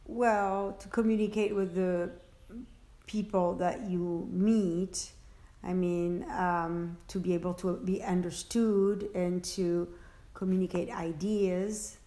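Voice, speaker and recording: A woman answering interview questions about her work as an interpreter, halting and searching for words, often restarting. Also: on the low side, level tone, mellow. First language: French. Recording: echoey room.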